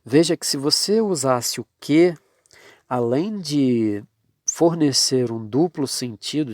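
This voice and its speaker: A man teaching a grammar lesson, speaking deliberately and repeating the key terms for his students. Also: medium pitch, a little mellow, no echo, clean studio sound.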